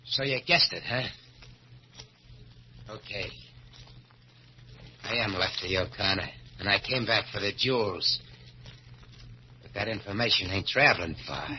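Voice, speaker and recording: An actor playing a guilt-haunted gangster and jewel thief in an old radio thriller, with an American accent, streetwise slang and a frantic stammer. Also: male voice, on the low side, unhurried, long pauses, natural voice. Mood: menacing. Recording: muffled, noisy old radio recording.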